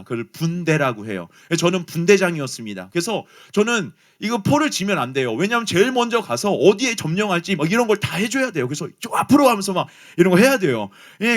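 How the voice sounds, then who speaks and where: A man preaching a youth sermon, telling a personal story and speaking straight to his listeners. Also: sits high. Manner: animated storytelling, addresses listeners directly. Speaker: pastor.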